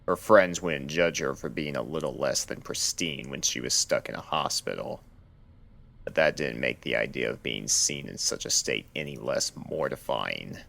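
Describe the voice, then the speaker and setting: A man narrating a scripted horror story in a measured, dramatic storytelling manner. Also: a bass voice, vocal fry, a bit bright. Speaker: narrator of fan fiction readings.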